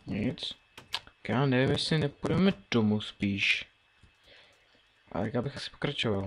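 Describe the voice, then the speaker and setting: Gravelly young man muttering over a game. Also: mid-range voice, animated, fairly bright tone. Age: teens. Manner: mumbling, thinking aloud while playing. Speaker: gameplay commentator. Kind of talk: casual Let's Play commentary.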